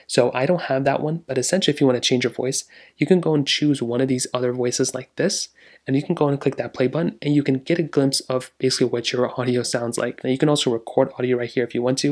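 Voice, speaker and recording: A man's voice: mid-range voice, a little mellow. A man hosting a casual tech how-to voiceover, rambling along with repetitive phrasing. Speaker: tech tutorial host.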